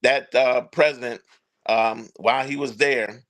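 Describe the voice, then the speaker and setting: A middle-aged or older man talks as a guest on an interview show. He is a ring announcer telling stories in a conversational way. He leans on key phrases and repeats them for emphasis, at a medium pitch. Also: fairly even intonation, unhurried, a bit bright.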